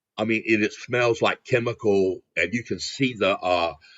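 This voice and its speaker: At a fairly slow pace, a man speaks with a strong Southern US accent. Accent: strong Southern drawl. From US South, eastern North Carolina. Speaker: political activist and author. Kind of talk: casual chat. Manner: animated.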